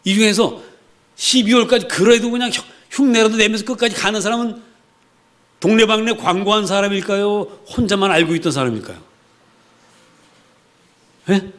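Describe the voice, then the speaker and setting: A man's voice: high voice, moderate pace, long pauses, a bit bright. A man preaching a sermon in a conversational way, asking the congregation questions and acting out the voices of the people he quotes. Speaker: pastor.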